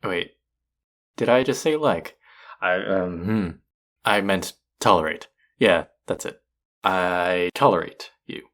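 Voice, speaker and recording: A man's voice: low voice, slow, fairly bright tone. A man acting a cocky, teasing male chef in an intimate romantic audio roleplay, speaking to his rival and love interest. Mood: flustered, earnest.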